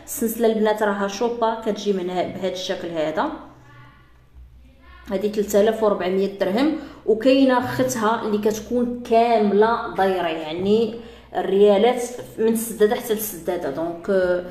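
A woman with a Moroccan Arabic accent, chatting through a live sales pitch for jewelry to her female viewers. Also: mellow, reverberant. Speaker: jewelry seller.

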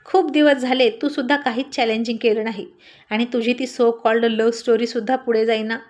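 A woman's voice: a little high, fairly even intonation, fairly quick, darkish tone, natural voice. A woman reading the lines of a bored, easily shocked young male sidekick. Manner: whiny, shocked.

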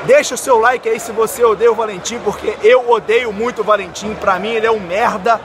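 A young Brazilian man, drunk, giving a loud, boastful, profane post-match rant as a football fan vlogger. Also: high-pitched, fairly even intonation, brisk. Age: young adult. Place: outdoor football stadium stands. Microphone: phone at arm's length. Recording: noisy stadium crowd recording. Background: crowd and stadium noise.

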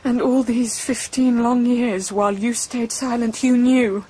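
A woman's voice: on the high side, steady tone, unhurried, warm tone, husky, low-quality recording. A woman playing a loving, anguished noblewoman with an earnest, impassioned manner in a radio drama. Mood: impassioned accusing. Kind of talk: theatrical radio drama acting.

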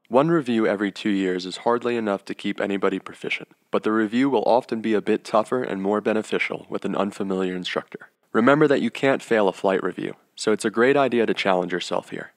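A flight instructor with a lowish voice narrates a scripted slide lesson in a matter-of-fact way, slipping in offhand jokes. The recording is dry and studio quality.

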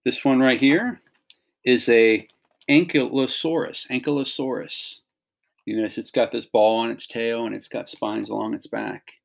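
A middle-aged man with a medium-pitched voice and noticeable vocal fry. He speaks like a teacher leading a read-along for children. His phrasing is simple and explanatory as he points things out. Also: fairly even intonation, moderate pace. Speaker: teacher reading a picture book aloud to children.

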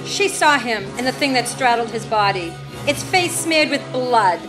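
A woman's voice: on the high side, animated, moderate pace, close to an everyday voice, poor audio. A middle-aged woman acting as the storyteller, reading grave dramatic narration for a horror radio play. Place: theatre stage, live reading. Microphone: stand microphone. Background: music.

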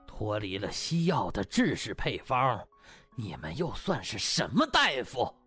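Guy doing a stern old hospital boss in an audiobook, scornful scolding, swings all over, kinda husky. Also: on the low side, wildly swooping pitch, fairly bright tone, faint music behind, voice pushed down, exaggerated voice. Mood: scornful, angry. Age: older. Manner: slow drawn-out scolding, rhetorical questions. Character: stern disappointed old male hospital director, scolding, contemptuous.

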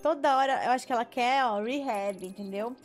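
A woman's voice: fairly high pitch, a little fast. A young woman with a Brazilian accent giving casual live commentary as she streams a game. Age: young adult. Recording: game music behind the voice.

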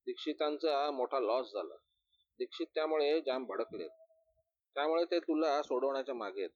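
A man's voice: mid-range voice, expressive, normal speed, no room sound, lo-fi sound, lightly acted. A man doing a confident, scheming ex-bodyguard. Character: adult male former bodyguard, confident and scheming.

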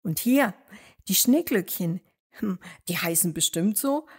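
A woman voicing an excitable, cheerful young male hare in a storybook tale, exclaiming with enthusiasm. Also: mid-range voice, a little slow, slightly rough. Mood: delighted.

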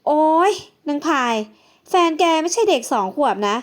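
A woman's voice: high-pitched, expressive, normal speed. A woman voicing an outspoken young female friend who talks bluntly and teasingly.

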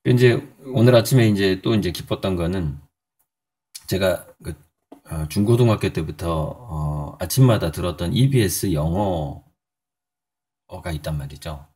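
Low husky man chatting casually. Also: lively intonation, a little slow. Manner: rambling, with many fillers and soft chuckles. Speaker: painter and channel host. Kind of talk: casual morning vlog talk.

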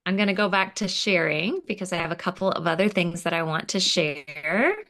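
A picture book author in her forties presents to children over a video call from an indoor room lined with bookshelves, reading aloud and explaining things casually and expressively. Her voice is on the low side, brisk, and a bit bright.

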